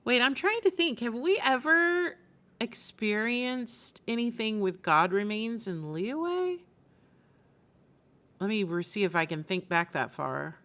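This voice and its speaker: A woman's voice: on the high side, sing-song, slow pace, fairly bright tone. A woman streamer giving casual commentary as she plays a game. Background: game music.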